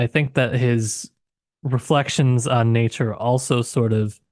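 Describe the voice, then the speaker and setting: A man's voice: medium pitch, darkish tone, no echo, studio quality. A man co-hosting a casual literary discussion, analysing in a tentative, hedging way. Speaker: podcast co-host.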